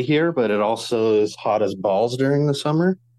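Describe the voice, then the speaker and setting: A man with an American accent at medium pitch, with ordinary pitch variation and a moderate pace, music playing in the background. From Idaho, US. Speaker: caller. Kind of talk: casual chat.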